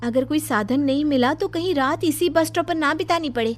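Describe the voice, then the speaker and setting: A woman voicing a timid, jumpy young woman office worker who frets anxiously in a very high voice. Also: fairly quick, faint music behind, close to an everyday voice. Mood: worried. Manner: anxious, fretful.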